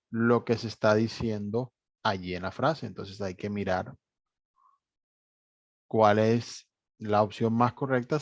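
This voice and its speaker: Man, steady explanatory teacher, dry muffled recording. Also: lowish voice, dry recording. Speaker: English teacher. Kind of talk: online class walkthrough. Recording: dry, slightly dull recording.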